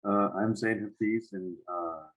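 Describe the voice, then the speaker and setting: Late-teen male, deep voice, husky, casual conversational, tentative measured phrasing. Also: steady tone, faint music behind. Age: 17, late teens. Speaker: high school student in conversation.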